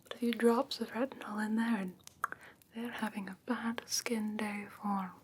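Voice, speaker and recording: A woman playing a curious, haughty fae creature in an ASMR fantasy roleplay, whispering softly in a hesitant, musing, gently condescending way. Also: medium pitch, steady tone, moderate pace, a little hiss or hum, natural voice. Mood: wryly amused. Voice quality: soft breathy whisper.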